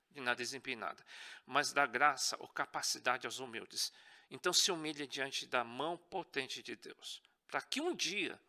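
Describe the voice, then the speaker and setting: A man's voice: medium pitch, bright, forceful tone. A man with a Brazilian Portuguese accent teaching a church course in an earnest tone, often checking in with his class.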